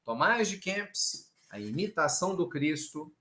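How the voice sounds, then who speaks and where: A man's voice: a little high, unhurried, background noise. A man from Brazil, giving an informal spiritual talk straight to his listeners and acting out quotes. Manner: animated, talks straight to listeners, acts out quotes. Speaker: spiritual teacher.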